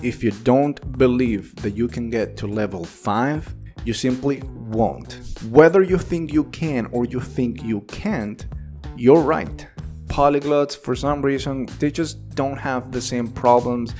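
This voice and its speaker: A man's voice: mid-range voice, slow, faint music behind. Earnest man, native Spanish speaker, teaching. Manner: earnest, encouraging, animated delivery. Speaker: English teacher. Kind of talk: direct-to-camera English lesson.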